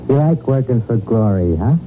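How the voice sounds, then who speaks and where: An actor playing a menacing, vengeful American gangster in a 1940s radio crime drama, talking tough, slangy and taunting. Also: male voice, medium pitch, animated, moderate pace, close to an everyday voice. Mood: taunting menace. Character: menacing, vengeful gangster racketeer, sneering and cocky. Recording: muffled vintage radio broadcast, loud music.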